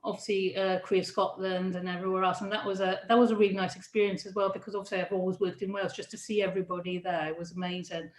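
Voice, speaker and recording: A woman's voice: medium pitch, level tone. Woman chatting in an echoey room. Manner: halting, many restarts and laughs. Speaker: prison careers adviser, interviewee. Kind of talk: casual interview chat.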